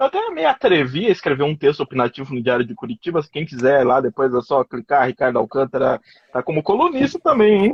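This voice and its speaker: A man speaks at a fairly high pitch in a somewhat breathy voice. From interior of Brazil. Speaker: political journalist and editor, podcast co-host. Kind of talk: casual political discussion podcast. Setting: home office, remote recording.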